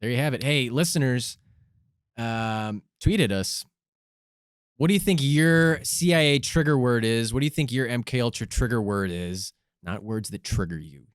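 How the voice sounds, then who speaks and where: Smooth-voiced man spinning joking stories. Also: mid-range voice, moderate pace, no room sound, clean studio sound. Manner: rambling, spins joking hypothetical stories. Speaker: podcast co-host. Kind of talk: casual comedic chat.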